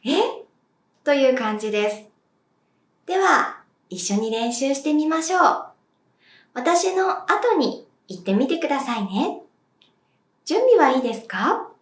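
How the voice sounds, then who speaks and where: A woman teaching as a language teacher, speaking clearly and deliberately and demonstrating sounds for viewers to repeat. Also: sits high, sing-song. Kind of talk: slow, clear pronunciation lesson. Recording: echoey room.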